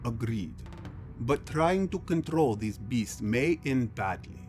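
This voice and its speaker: A man's voice: mid-range voice, expressive, takes it slowly, a little mellow, faint music behind. Man voicing a grave, cautious alien statesman. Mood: grave, cautioning. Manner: formal, grave. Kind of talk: scripted sci-fi audio drama.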